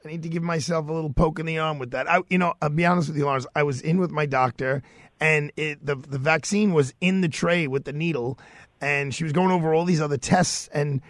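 Raspy New radio host. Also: male voice, a little high, a little fast, no echo. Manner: warm, familiar, loose with fillers. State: slightly sore throat. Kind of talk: casual radio chat. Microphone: studio microphone.

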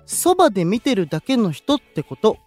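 A man voicing a gentle, playful young male idol who speaks, in a voice drama. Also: high voice, very animated, brisk, faint music behind. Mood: friendly. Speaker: young station-worker idol in a unit. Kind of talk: anime-style voice drama acting.

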